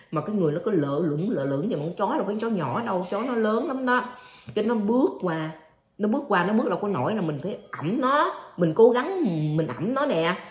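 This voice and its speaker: A middle-aged woman vlogger telling an emotional personal story to her viewers, repeating herself often. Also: on the low side. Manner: repetitive, addresses viewers as aunts and uncles. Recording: roomy echo.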